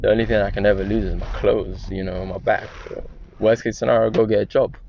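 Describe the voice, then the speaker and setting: A man's voice: on the low side, fairly even intonation, fairly quick, vocal fry. Twenty-something guy from iran talking business in a car, sure of himself, muffled lo-fi sound with road noise all around. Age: 20s. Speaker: guest. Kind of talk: casual chat.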